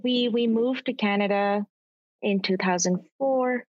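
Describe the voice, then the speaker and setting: Woman, thirties, from Pakistan, interview guest, earnest, reflective, pauses to find words, mid pitch. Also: lo-fi sound, slight background noise. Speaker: amateur triathlete guest. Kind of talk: casual interview chat.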